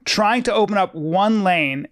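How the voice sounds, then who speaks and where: Blunt, profane man with a high voice. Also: a little slow, a bit bright, dry recording, clean studio sound. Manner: blunt, profane storytelling with many restarts. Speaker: podcast co-host. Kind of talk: casual chat.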